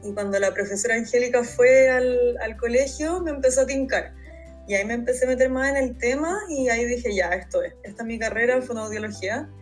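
A young Chilean woman tells her own story in a casual interview. Her voice is somewhat high and her speech is informal and conversational. There is light music in the recording. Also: a little fast. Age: 20s. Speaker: podcast guest, speech therapist.

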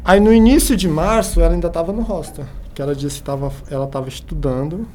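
A Brazilian man chatting casually as a podcast guest, telling anecdotes in an animated way and acting out the dialogue. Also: on the high side, quick pace, slight background noise. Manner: animated retelling with acted-out dialogue.

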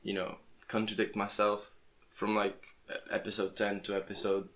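A young man whose first language is Portuguese talks casually into his podcast microphone. His voice sits low and stays flat, and he often stumbles and restarts his words as he goes. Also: moderate pace. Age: young adult. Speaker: podcast host. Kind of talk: casual interview chat. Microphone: plugged-in podcast microphone.

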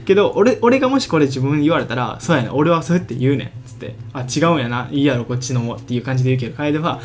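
A man's voice: medium pitch, animated, racing, faint music behind. A young man with a Kansai accent co-hosting a casual chat podcast, laughing often and asking probing questions. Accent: Kansai Japanese. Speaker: podcast co-host.

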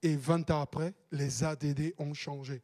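High-voiced preacher. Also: male voice, steady tone, moderate pace. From Cameroon. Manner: emphatic, repetitive exhortations, bursts into shouting. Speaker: pastor. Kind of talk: sermon.

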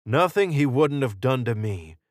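A man's voice: mid-range voice, big pitch swings, normal speed, no echo, voice pushed up, lightly acted. A man voicing a terse, grim hero in an audiobook, with a controlled, dry delivery. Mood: dry, guarded. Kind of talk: audiobook character dialogue.

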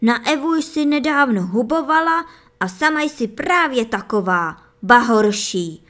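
A woman reading plays a poor laborer husband in a storybook fairy tale. He scolds and reproaches, and he raises his voice. The voice sits rather high. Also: animated, natural voice. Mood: scolding.

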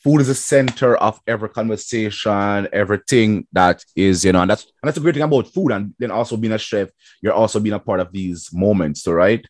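A man's voice: on the low side, brisk, dry recording. A man hosting a casual, conversational interview as a fellow chef, agreeable and often affirming what he hears. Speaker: podcast host, chef.

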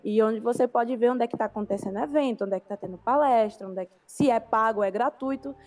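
A woman's voice: a little high, fast, a little mellow. A woman with a northeastern Brazilian accent from Recife, chatting casually as a guest on a podcast.

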